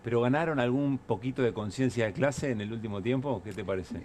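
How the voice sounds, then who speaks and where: A man's voice: mid-range voice, fairly quick, darkish tone, a little hiss or hum. A man with an Argentine accent hosting a political talk show, asking pointed, provocative questions. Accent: Argentine Spanish. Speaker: host.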